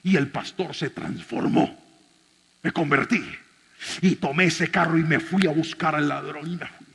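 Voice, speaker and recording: High, bright-voiced preaching man. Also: steady tone, unhurried, vocal fry, slightly rough. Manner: dramatic, swings from shouting to hushed. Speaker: pastor. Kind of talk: storytelling sermon. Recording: reverberant hall.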